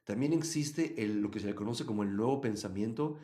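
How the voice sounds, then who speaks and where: A man from Mexico, teaching a live Bible study and answering chat comments, swinging between loud emphasis and quiet asides. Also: fairly low pitch, fairly quick.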